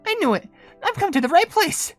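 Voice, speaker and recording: A woman's voice: extremely high pitch, very animated, fairly quick. A woman voicing a proud, eager young cookie princess with a girlish voice in a video game. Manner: eager, boastful. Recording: game music behind.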